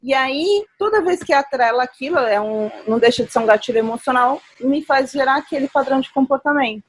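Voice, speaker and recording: A woman speaking as a guest in a conversational talk, reflective and growing animated when she acts out examples. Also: high voice, brisk, a little hiss or hum. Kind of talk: conversational talk on nonviolent communication.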